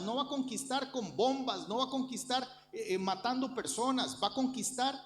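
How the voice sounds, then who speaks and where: A man's voice: very high voice, a bit bright. A man from Rica, preaching a sermon and Bible study to his congregation with earnest, repetitive emphasis. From Costa Rica. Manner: earnest preaching, addresses the congregation directly, repeats phrases for emphasis. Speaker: pastor.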